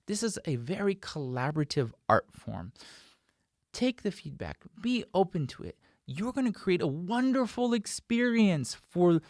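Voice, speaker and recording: Male instructor, 40s, slightly high voice, conversational tutorial delivery with emphatic repeats, dry close-mic studio sound. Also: dry recording. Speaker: instructor, video host. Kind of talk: informal tutorial talk to camera. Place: small home studio, indoors. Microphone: desk microphone close in front.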